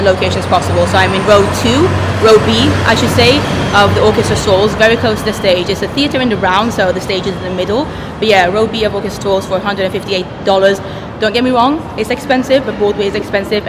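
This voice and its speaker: A woman chatting casually to camera for her vlog, rambling a little with restarts, out on a busy city street. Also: medium pitch. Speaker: theatre vlogger. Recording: loud street traffic noise. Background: traffic and city sounds.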